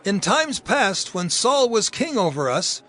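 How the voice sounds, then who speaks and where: A man's voice: high-pitched, sing-song, unhurried, fairly bright tone, heavily acted. An actor playing a loyal tribal spokesman in dramatized scripture, making a formal proclamation to his king. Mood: earnest, reverent. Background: music.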